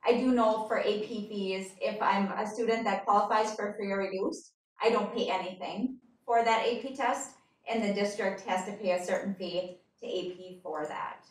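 A woman explains budget details over a video call and hedges carefully, filling her pauses with ums. Her voice sits at a middle pitch. It sounds distant and very echoey, as if picked up from across a bare room. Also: steady tone. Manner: careful, hedging, with frequent ums. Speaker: district finance staff presenting the budget.

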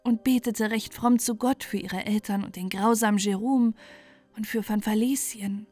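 A woman narrating a bedtime fairy tale in a soothing, gentle, unhurried and expressive way. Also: mid-range voice. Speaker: storyteller. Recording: music behind the voice.

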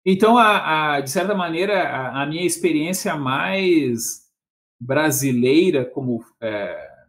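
A man in his fifties with a Porto Alegre accent, rambling and chuckling on a video call with a headset, often adding tag questions. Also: mid-range voice. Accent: Porto Alegre Brazilian Portuguese. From southern Brazil. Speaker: guest in a debate. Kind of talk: casual video call conversation.

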